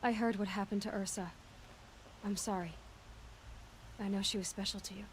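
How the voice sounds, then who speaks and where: A woman's voice: mid-range voice, steady tone, moderate pace, a little hiss or hum, natural voice, rough recording. A woman voicing a determined, blunt young female tribal warrior in a video game. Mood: gently sympathetic. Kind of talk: cinematic video game acting.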